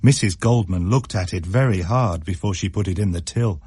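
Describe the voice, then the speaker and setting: Husky man reading a radio story. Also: sits low, moderate pace, no room sound, clean studio sound. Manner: expressive, shifts pace for effect. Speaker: narrator.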